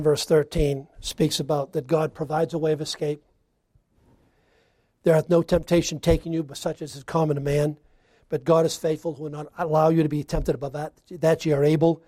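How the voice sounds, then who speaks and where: A man's voice: fairly high pitch, dry recording. Emphatic male preacher, dry sound. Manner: emphatic preaching with swings from loud to hushed. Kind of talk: sermon.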